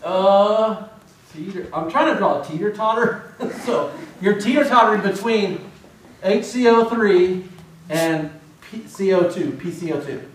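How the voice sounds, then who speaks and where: A man's voice: high voice, lively intonation, a little slow. A middle-aged man teaching at a whiteboard through a face mask, casual and self-deprecating, quizzing his students as he goes. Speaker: respiratory therapy instructor. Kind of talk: classroom whiteboard lecture. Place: large classroom with whiteboard. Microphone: far camera. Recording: echoey room from far off.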